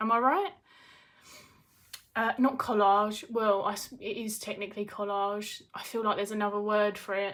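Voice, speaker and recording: With a British accent, a woman speaks at a moderate pace in a fairly high, monotone, flat voice, leaving long, frequent pauses. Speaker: tarot reader and video creator. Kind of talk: live stream chat reading viewer comments. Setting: home live stream. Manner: rambling, casual.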